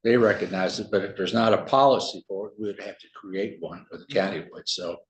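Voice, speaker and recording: A man with a fairly low voice briefs a county board in an echoey meeting room. He talks informally and lets his sentences trail off with "so" and "you know." The room rings around his voice. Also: brisk, lo-fi sound. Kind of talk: public meeting discussion.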